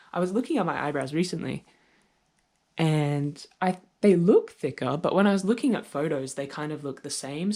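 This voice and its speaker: A young trans man, early in his transition with his voice starting to deepen, speaking candidly and reflectively in a personal video diary with touches of gentle humor. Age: young adult. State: voice deepening on testosterone. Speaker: vlogger.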